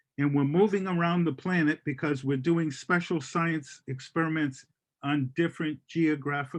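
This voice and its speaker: An ordinary speaking voice from a man, fairly high in pitch, at a moderate pace against a quiet background. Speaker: robotics educator presenting at club meetup. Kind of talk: show and tell presentation.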